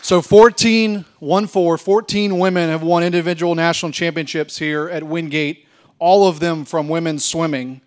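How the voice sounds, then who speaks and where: Higher-voiced man announcing an award. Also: steady tone, normal speed. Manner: polished, announcing. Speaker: event host. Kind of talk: formal award introduction. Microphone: handheld mic.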